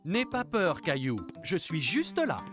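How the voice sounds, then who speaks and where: A man playing a calm, kindly father in a children's cartoon, speaking in a reassuring, good-natured way. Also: a little high, a little slow, music in the background. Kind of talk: animated children's cartoon dialogue.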